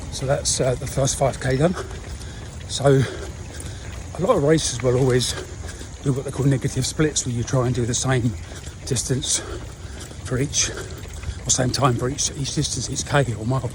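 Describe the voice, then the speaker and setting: A man in an English accent talks at a moderate pace with long, frequent pauses. Noticeable background noise sits behind him. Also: medium pitch for a man, ordinary pitch variation. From England. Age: 60s. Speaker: travel vlogger and runner. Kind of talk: vlog narration while running a marathon. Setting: outdoors during a marathon. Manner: casual, halting.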